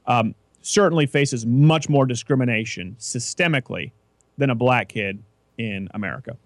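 A man's voice: medium pitch, normal speed, no room sound. Opinionated male talk radio host. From Canada. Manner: opinionated, talks in long run-on explanations with restarts. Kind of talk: casual radio talk show chat.

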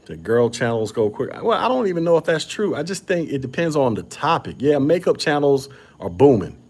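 On a podcast microphone, a male host carries a casual chat in a medium-pitched voice that's a little mellow and husky, with big pitch swings and a slightly fast pace. He stutters a little and keeps restarting his sentences.

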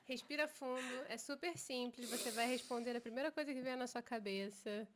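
A woman's voice: on the high side, fairly quick, background noise. A woman, interviewing a guest with short playful reactions. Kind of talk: casual interview.

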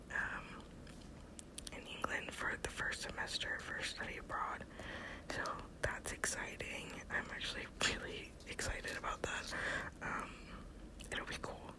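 Whispering young American woman. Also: poor audio. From Texas, United States. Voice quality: soft breathy whisper. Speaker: ASMR video creator. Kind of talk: whispered ASMR ramble, casual personal update.

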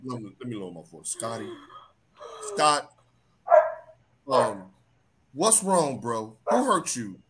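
A man hosting a casual sports talk show, animated and joking, sometimes dropping his voice low for comic effect. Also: takes it slowly, long pauses, heavy background noise. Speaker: host.

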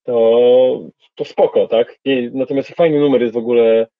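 A man's voice: mid-range voice, fairly even intonation, moderate pace, dry recording, phone-quality sound. A man, a rapper, answering interview questions in a reflective, colloquial way.

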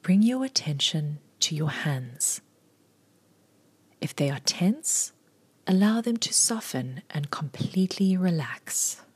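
Breathy, near-whispering woman guiding meditation. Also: sits low, big pitch swings, darkish tone. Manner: soothing, unhurried instruction with short phrases. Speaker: meditation guide. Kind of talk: guided body scan meditation, scripted.

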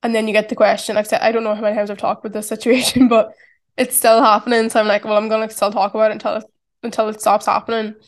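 A woman's voice: mid-range voice, flat delivery, fast. A woman in her twenties with a strong Irish accent, talking through a casual, reflective solo podcast and saying "like" often. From Ireland. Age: 20s. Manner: chatty, reflective, heavy use of "like". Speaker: podcast host.

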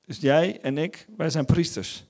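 A man's voice: on the high side, unhurried. A man interpreting a sermon live, relaying each phrase with occasional hesitations and restarts. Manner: hesitant fillers and restarts while translating.

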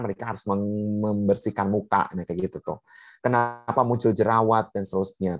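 A woman's voice: rumbling low, a little mellow, dry recording. A woman gives a seminar talk, explaining points one by one many fillers. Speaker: speaker on puberty in children with special needs.

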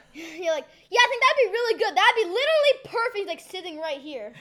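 A woman's voice: extremely high pitch, sing-song, brisk, a bit bright. A teenage girl telling rambling family stories, giggling often. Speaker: teenage child in family podcast. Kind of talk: casual family chat.

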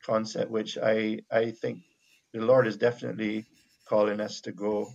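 A man from Barbados with a Bajan accent, speaking as a missionary guest in a casual faith conversation, reflective and halting with many restarts. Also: fairly low pitch, flat delivery, gravelly, a little mellow, dull audio.

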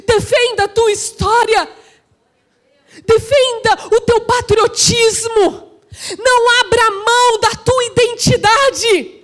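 A woman preaching a sermon with fervor. She often shouts and asks the congregation rhetorical questions. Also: extremely high pitch.

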